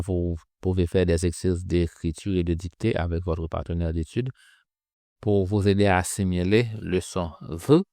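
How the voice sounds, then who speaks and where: A man teaching pronunciation in a slow instructional lesson, drilling sounds by repeating syllables. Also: deep voice, a little mellow, dry recording, studio quality.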